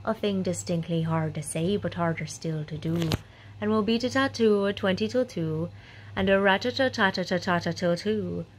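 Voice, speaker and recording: A young adult woman reciting tongue-twister vocal warm-ups in a rhythmic, playful way with deliberate enunciation, recorded on a phone at arm's length. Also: fairly low pitch, a little hiss or hum, low-quality recording. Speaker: voice performer recording a sample reel.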